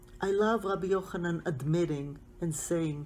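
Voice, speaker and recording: Over audible room echo, a woman with a very deep, low pitch talks at a moderate pace with fairly even intonation. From Israel. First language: Hebrew. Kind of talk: lecture.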